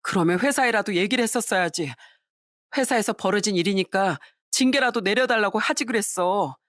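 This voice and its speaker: A woman's voice: mid-range voice, brisk, a bit bright, no echo, clean studio sound, lightly acted. A woman voicing an angry middle-aged husband who confronts the man bothering his wife, in a harsh, commanding way. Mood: upset. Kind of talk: dramatized story reading.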